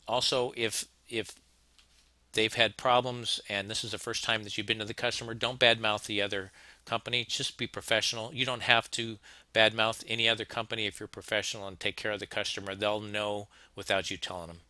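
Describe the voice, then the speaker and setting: A man gives a relaxed, plain-spoken training lecture, circling back and repeating himself as he goes. His voice sits a little low but comes across very bright and forceful. It is recorded close and dry, with no room sound. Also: a little fast, dry recording. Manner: plain-spoken, conversational, frequent restarts and repeats. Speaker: HVAC instructor. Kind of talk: narrated slide lecture.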